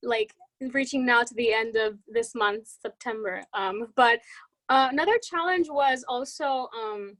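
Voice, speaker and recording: A young Puerto Rican woman with a Spanish accent and a fairly high voice, answering panel questions. She pauses often, fills gaps with "um" and restarts her words, since Spanish is her first language. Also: a bit bright, low-quality recording. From Puerto Rico. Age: young adult. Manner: hesitant, many fillers, restarts words. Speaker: student panelist.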